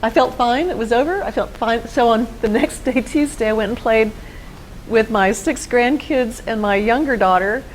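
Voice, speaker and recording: Woman in her 50s, a bit high voice, earnest storyteller on a talk show, faint hum behind. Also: moderate pace, poor audio. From Texas. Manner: earnest storytelling, acts out quoted dialogue. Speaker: guest. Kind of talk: personal testimony in a studio interview.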